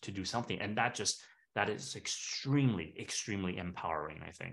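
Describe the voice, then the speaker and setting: With lively intonation, a man in an ordinary speaking voice talks at moderate speed over a quiet background. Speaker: financial founder, accountant. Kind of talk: interview conversation.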